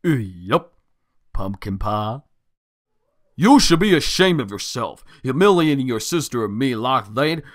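A man's voice: medium pitch, very animated, a little slow. A man voicing a big, plain-spoken cartoon farm pony with a folksy, drawling manner. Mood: scolding. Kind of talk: fan voice impression demo reel of cartoon lines.

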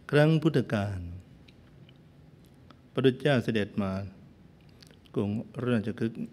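A man's voice: medium pitch, a little mellow. A man, a Buddhist monk, giving a sermon that retells an old story, with playful joking asides to his listeners. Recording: long hall reverb.

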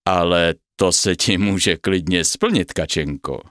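A man voicing a sly devil disguised as a handsome young hunter, speaking in a velvety, smooth voice. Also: medium pitch, wildly swooping pitch, dry recording, studio quality, pitched above the performer's own voice.

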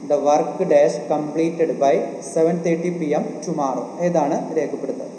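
Male exam coach with a Malayali accent, slightly high voice, drilling rules by repetition; roomy reverb. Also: steady tone, very slow, dark tone. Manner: repetitive, asks questions and answers them himself. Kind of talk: online grammar lesson. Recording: echoey room with faint noise.

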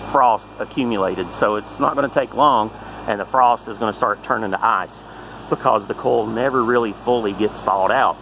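A man's voice: on the low side, noisy background. A man, an HVAC technician, walks through a repair tutorial outdoors by a heat pump in a plain-spoken, practical way, filmed on a phone held close.

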